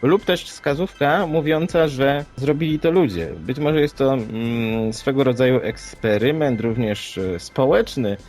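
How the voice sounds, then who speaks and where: Man, mid-pitched, conversational podcast co-host with halting phrasing; faint music underneath. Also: a little mellow. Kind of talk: conversational discussion of news reports. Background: background music.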